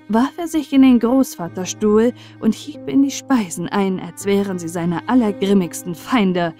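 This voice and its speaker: A woman narrating a fairy tale as a bedtime audiobook, with measured, expressive storyteller delivery. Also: medium pitch.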